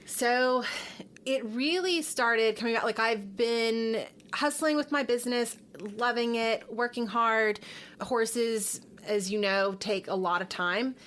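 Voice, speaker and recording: A woman's voice: on the high side, slow, a bit bright, a little hiss or hum. A middle-aged woman from Texas, a podcast guest talking casually and openly, with lots of fillers. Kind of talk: casual interview chat.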